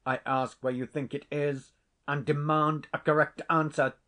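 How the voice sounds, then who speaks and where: A man voicing a stern, cold Scottish laird who speaks in a measured, commanding way. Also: on the high side, flat delivery, sharp tone. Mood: angry.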